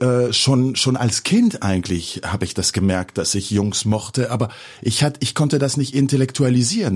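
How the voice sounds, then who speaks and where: A man's voice: mid-range voice, a little mellow, husky. A man, a filmmaker speaking reflectively with many hesitations in an interview. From Geneva, Switzerland. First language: French. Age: 40s. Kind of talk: personal interview.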